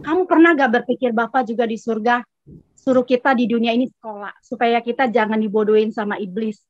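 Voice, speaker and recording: High-pitched woman telling a church testimony, chatty, slightly muffled dry sound. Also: brisk. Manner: chatty, acts out both sides of a dialogue. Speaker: congregation member giving a testimony. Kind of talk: casual storytelling testimony.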